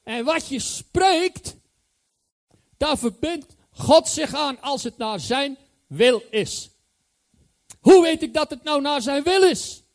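A man's voice: very high-pitched, expressive, slow pace, long pauses. A male preacher giving a sermon, enthusiastic and emphatic, repeating his key phrases.

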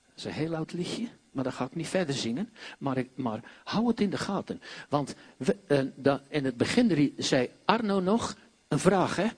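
Male preacher, husky voice, slow deliberate delivery, lively pitch that rises into loud declarations. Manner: swings between hushed and loud commanding proclamation. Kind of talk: sermon.

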